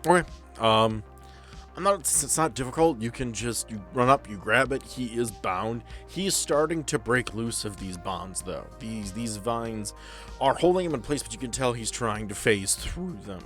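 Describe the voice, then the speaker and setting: A man's voice: mid-range voice, animated, normal speed, a bit bright, soft background music. A man acting as game master, narrating a tabletop game in a casual, descriptive, slangy way.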